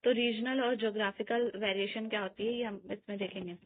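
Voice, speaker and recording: A woman teacher with an Indian accent explaining study notes, reading English lines slowly and then explaining them at length with many hesitations. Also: mid-range voice, fairly even intonation. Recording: tinny phone-quality audio.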